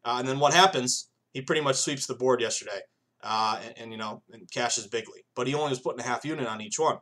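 This casual solo monologue comes from a man in his thirties hosting a sports betting podcast, talking fast in a somewhat bright voice at normal pitch. He rambles, stumbles into restarts, fills gaps with fillers, and speaks directly to "guys" listening.

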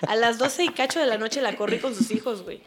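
A woman with a Mexican accent, a mother, telling an animated, slangy story in casual chat and acting out the quotes. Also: fairly high pitch, quick pace. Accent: Mexican Spanish. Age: adult, mother of a son.

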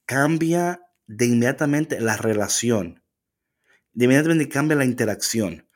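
A man co-hosting a casual faith talk, animated and slipping into English phrases. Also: mid-range voice, unhurried. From Latino. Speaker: co-host.

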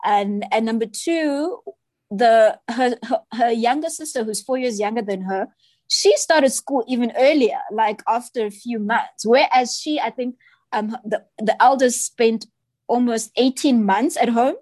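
A woman's voice: fairly high pitch, unhurried, darkish tone, no echo. A South African woman, a children's author, chatting as an interview guest and telling stories with many "you know"s and "right"s. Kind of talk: casual interview chat.

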